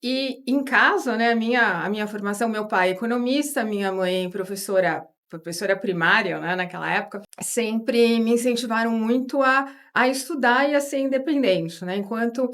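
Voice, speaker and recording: A woman in her fifties from São Paulo with a São Paulo accent, a guest talking through her career in a relaxed interview, with frequent tag questions and restarts. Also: fairly high pitch, normal speed, hardly any pauses. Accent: São Paulo Portuguese. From São Paulo, Brazil. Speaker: guest, board advisor. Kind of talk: conversational interview storytelling.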